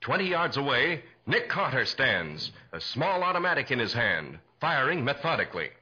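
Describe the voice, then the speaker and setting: A man's voice: medium pitch, very animated, normal speed, pushed and bright. An American man announcing and narrating a 1940s radio show with emphatic, dramatic salesmanship. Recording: muffled 1940s radio recording.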